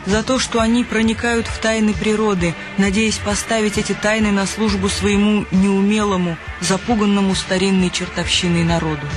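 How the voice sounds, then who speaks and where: A man narrates a radio drama from a script in a dramatic storytelling style. His voice is pitched high for a man. Music is clearly heard behind him. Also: flat delivery, moderate pace, hardly any pauses.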